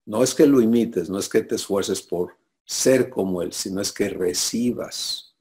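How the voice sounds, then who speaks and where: Man, pastor, low mellow voice, teaching sermon, checks for agreement. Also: a little slow. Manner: teaching, asks listeners for assent.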